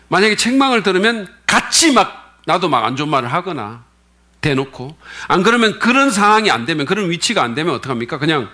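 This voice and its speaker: A man's voice: a little high, sharp tone. A male pastor preaching a Sunday sermon in a conversational way, often putting questions to the congregation.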